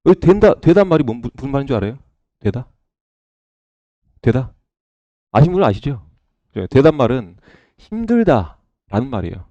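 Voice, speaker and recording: Lively male lecturer who keeps saying "so". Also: medium pitch, fairly quick, dry recording, muffled recording. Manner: repeats "자" and checks in with "그죠?"; lively, asks the class questions. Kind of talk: recorded online lecture.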